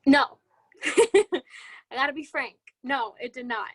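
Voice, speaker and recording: A young woman from Puerto Rico, a native Spanish speaker with a Puerto Rican Spanish accent, answering panel questions in a halting way with many fillers. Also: sits high, animated. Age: young adult. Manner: hesitant, many fillers, restarts words. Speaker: student panelist.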